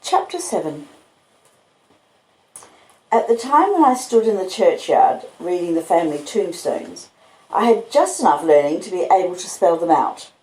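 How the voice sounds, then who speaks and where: Chatting live and reading literary storybooks, an Australian woman who podcasts and narrates audiobooks keeps an unhurried, cosy storytelling feel. Her voice is on the low side, mellow and very animated. The basic laptop and phone audio, captured on home equipment, has roomy echo.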